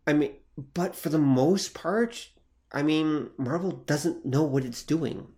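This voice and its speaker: A man's voice: fairly high pitch, slow pace, darkish tone. A man co-hosting a podcast in casual chat, agreeable and conversational, hedging a lot as he talks. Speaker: podcast co-host.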